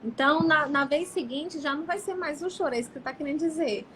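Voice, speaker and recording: A woman's voice: fast, a bit bright. A woman hosting an interview, restating her guest's point with hesitant restarts. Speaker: host. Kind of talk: interview questions and summaries. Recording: distant mic with faint hum and rumble.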